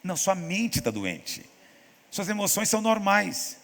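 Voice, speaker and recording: A man preaching as a pastor in a church teaching session, telling stories and acting out quoted voices with lively emphasis. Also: sits high, unhurried, gravelly, big-room sound. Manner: animated storytelling, acts out quoted voices.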